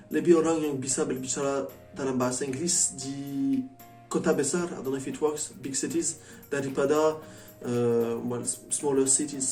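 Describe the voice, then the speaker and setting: A mellow-voiced man with a French accent talks casually to his viewers as a foreigner learning Indonesian. He speaks it haltingly and keeps switching into English. The recording is roomy and distant from the mic. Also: mid-range voice. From France. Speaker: vlogger. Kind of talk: casual chat to camera. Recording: echoey room, distant mic, faint music.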